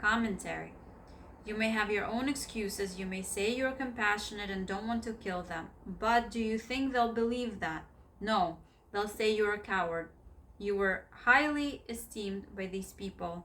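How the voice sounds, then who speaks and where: A woman with a non-native accent speaks at a moderate pace and a fairly high pitch, with ordinary pitch variation. Her tone is bright and sharp, and there is audible room echo. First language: not English. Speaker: spiritual book reader, health practitioner. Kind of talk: reading aloud; casual aside. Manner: halting, stumbles over words.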